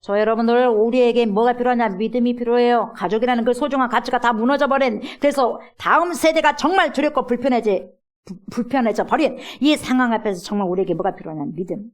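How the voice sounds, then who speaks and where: A middle-aged woman pastor preaching a sermon in a church, acting out pleas and swinging between loud and hushed. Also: fairly high pitch. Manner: dramatic, acts out quoted pleas with big swings from loud to hushed. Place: church sanctuary.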